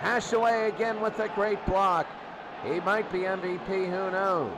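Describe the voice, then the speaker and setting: A man doing excited football play-by-play in short clipped phrases, repeating downs and yardage. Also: sits high, moderate pace. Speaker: play-by-play announcer. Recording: noisy game broadcast, loud crowd. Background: loud crowd and heavy background noise.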